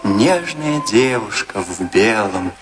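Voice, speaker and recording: An actor playing a romantic, lovesick male poet, reciting verse in drawn-out, declamatory phrases in a radio play. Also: fairly low pitch, animated. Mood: wistful.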